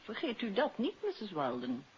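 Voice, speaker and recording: A muffled old radio recording with background noise carries a poised woman. She speaks mid-pitched with lively, pointed intonation, in vintage mystery-serial style. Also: normal speed. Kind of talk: 1950s radio detective drama acting.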